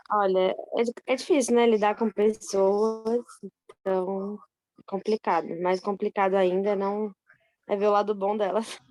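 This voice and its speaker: A woman's voice: mid-range voice, a little mellow, dry recording. Candid, hesitant woman on a call. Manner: hesitant, self-correcting, candid. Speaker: study group participant. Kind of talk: casual group testimony.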